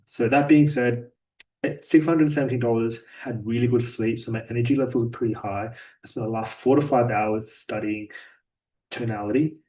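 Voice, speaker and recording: A man talking through his day in a vlog, his delivery flat and a little robotic. His voice sits at an ordinary middle pitch and sounds slightly distant from the microphone. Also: moderate pace. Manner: self-described monotone, robotic delivery. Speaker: sales rep vlogger. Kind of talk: daily progress vlog. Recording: voice a bit distant from mic.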